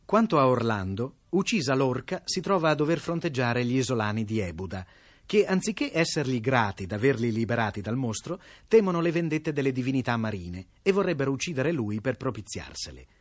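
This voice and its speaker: Man, radio storyteller, animated pitch, dry sound, wry scripted narration. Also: a little fast, no echo.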